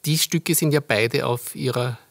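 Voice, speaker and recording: A radio host with a gravelly, creaky edge to a mid-pitched voice, asking questions in a curious, conversational way. The delivery is relaxed, as on a studio music programme. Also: a little slow. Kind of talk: radio interview.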